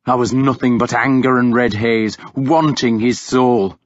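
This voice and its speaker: A man narrating a novel in the first person with a dramatic, deliberate delivery. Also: mid-range voice, steady tone, dry recording, muffled recording. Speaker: audiobook narrator.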